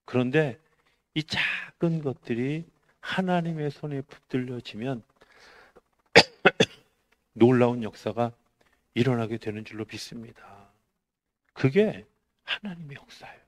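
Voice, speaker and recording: Middle-aged korean pastor preaching, chatty, asks the crowd stuff, goes loud then real quiet, normal mid pitch. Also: male voice, slow pace, long pauses. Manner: conversational preaching with rhetorical questions, swings from loud to hushed. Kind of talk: sermon.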